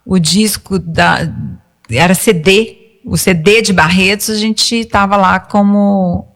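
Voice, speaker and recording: A woman's voice: mid-range voice, fairly even intonation, slow, a bit bright, long reverb tail. A woman with a Brazilian Portuguese accent, a singer telling stories casually and emphatically in an interview, often acting out quoted dialogue.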